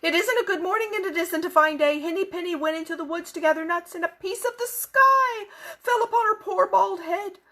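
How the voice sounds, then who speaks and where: A hearty rooster crows and calls out loudly in a high, bright voice, as a woman reading aloud puts him on. He is a storybook bird, bold and chatty. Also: brisk, exaggerated voice. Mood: worried. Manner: loud crowing, hearty. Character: boastful crowing rooster, male.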